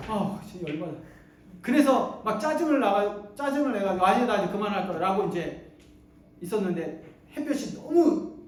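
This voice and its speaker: Animated pastor in an echoey church. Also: male voice, high-pitched. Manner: animated, asks the congregation questions, acts out quotes playfully. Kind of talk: sermon. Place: church sanctuary. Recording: echoey church hall, mic at a distance.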